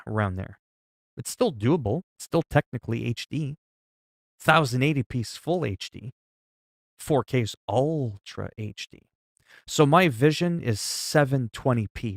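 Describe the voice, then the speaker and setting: A man's voice: lowish voice, vocal fry, dry recording, studio quality. A man in his forties chatting casually and profanely with stream viewers, rambling and explaining things with everyday examples. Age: 40s. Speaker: livestreamer.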